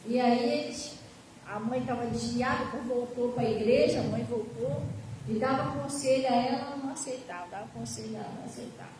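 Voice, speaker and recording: High-voiced woman preaching in echoey hall. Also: a little fast, darkish tone. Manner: storytelling, emphatic, addresses the congregation. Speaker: pastor. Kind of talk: sermon. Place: church hall. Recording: echoey hall from far off, faint noise.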